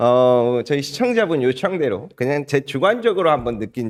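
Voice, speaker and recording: The recording is very clean, with a silent background. A man with a fairly high pitch swings his pitch very widely. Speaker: news commentary youtuber. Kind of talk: solo commentary.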